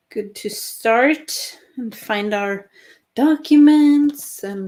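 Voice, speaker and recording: With a Norwegian accent, a woman speaks very slowly in a dark, mellow tone with lively intonation. The recording is very clean, with a silent background. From Norway. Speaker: writer streamer. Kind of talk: casual livestream chat. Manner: chatty with fillers.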